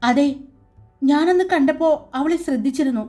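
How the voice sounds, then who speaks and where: A woman voicing a worried young man in a spoken story, a colleague who hesitates before he speaks. His lines come a little louder, with faint music behind. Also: high voice, normal speed, natural voice. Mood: concerned.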